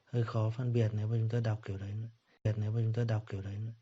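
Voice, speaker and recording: Guy teaching pronunciation, repeats every word, kinda flat and husky, muffled lo-fi sound. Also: lowish voice. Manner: repeats words slowly, then explains. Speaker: English teacher. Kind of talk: pronunciation lesson. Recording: dull lo-fi recording.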